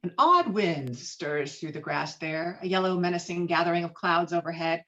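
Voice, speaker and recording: A woman's voice: lowish voice, moderate pace, sharp tone, dull audio. A woman narrating screenplay stage directions with a dramatic, emphatic read on a video call.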